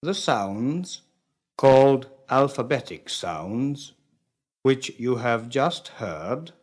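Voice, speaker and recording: A man reading a language course script, dictating slowly and deliberately with clear pauses. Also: medium pitch, big pitch swings.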